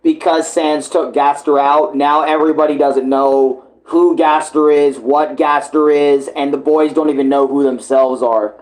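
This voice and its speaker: A man's voice: on the high side, level tone, measured pace, few pauses, a little mellow, poor audio. A man giving casual live reaction commentary, slangy, exclamatory and full of swearing. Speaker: reaction streamer.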